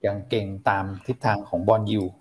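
A man co-hosting a casual market talk show, relaxed, with many agreeing backchannels. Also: on the low side, normal speed, a little hiss or hum. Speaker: co-host.

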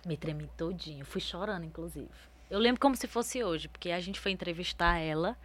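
A woman from Northeast Brazil, a singer guest telling stories in a lively, expressive casual interview. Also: on the low side, brisk.

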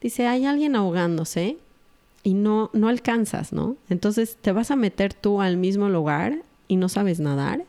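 A middle-aged woman talks earnestly to an audience about raising her children. Her voice is mellow and relaxed, at a middling pitch, and she acts out what others say as she goes. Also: a little slow. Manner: earnest, acts out quoted dialogue. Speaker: mother sharing parenting advice. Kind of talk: reflective talk to an audience.

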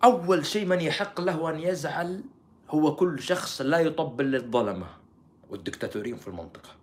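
A man's voice: a little high, fairly quick. A man giving heated political commentary, mocking and firing rhetorical questions.

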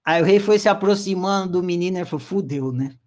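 A man's voice: sits high, steady tone, fast talker. A man, hosting a music talk show, telling a folk tale and commenting in a blunt, slangy way. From Brazil. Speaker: podcast host and music commentator. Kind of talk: storytelling and casual commentary.

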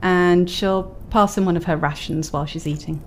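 A woman's voice: lowish voice, fairly even intonation, moderate pace, slight background noise. A woman playing a tabletop roleplaying game, speaking in character and narrating her character's actions.

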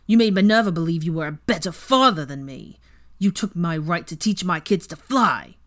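A woman's voice: fairly low pitch, animated, normal speed, natural voice. A woman reading a story aloud, voicing a bitter, hateful man who spits out his accusations in an angry snarl. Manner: angry, spitting, vehement.

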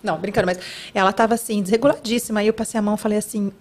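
A woman's voice: medium pitch, fairly even intonation, darkish tone, a little hiss or hum. A woman from Brazil, a guest educator in a casual podcast chat, talking earnestly and acting out little bits of dialogue. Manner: earnest, quick, acts out quoted dialogue.

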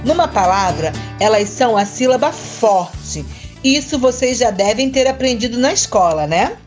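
A woman teacher, explaining a grammar lesson clearly and slowly on a scripted educational podcast. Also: a little high, animated, soft background music. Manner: slow, clear, didactic.

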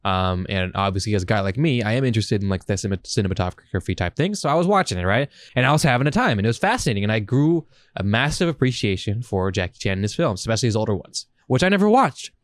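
A man's voice: on the low side, lively intonation, fast talker, dry recording. A man podcasting in a casual, profane chat, rambling and enthusiastic with plenty of slang. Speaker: podcast host.

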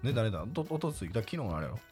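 A young man with a Kansai accent bantering on a podcast, playful and teasing. His low voice jumps around lively in pitch, and faint music plays under it. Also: very fast. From Kobe, Japan. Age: young adult. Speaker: podcast co-host. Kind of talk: casual chat.

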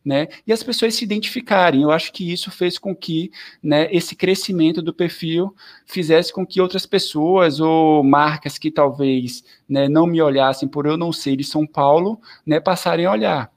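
A man. His voice sits slightly high for a man. He talks in a lively, chatty way as an interview guest, tagging his sentences with fillers. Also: normal speed. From southern Bahia, Brazil. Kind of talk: casual interview chat.

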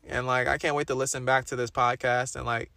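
A young man with a slightly raspy voice, chatting casually and rambling through a solo podcast in slangy talk, repeating phrases for emphasis. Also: mid-range voice, level tone, fairly quick, bright, forceful tone, no room sound. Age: young adult. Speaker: podcast host.

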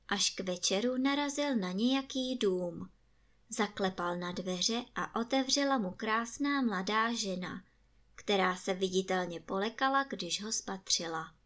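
A woman storyteller reading a fairy tale aloud in a calm, measured way. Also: medium pitch.

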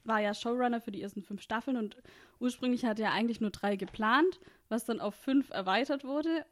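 A woman's voice: mid-range voice, fairly bright tone. A woman co-hosting a casual podcast about a TV series, chatty, with frequent fillers and laughs. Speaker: podcast co-host.

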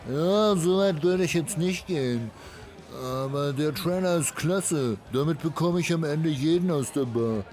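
A man's voice: a little high, a little slow, a little mellow, lightly acted. A man voicing an easygoing, joking pub landlord in an audio drama. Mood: teasing. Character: jovial, teasing pub landlord, an old pal.

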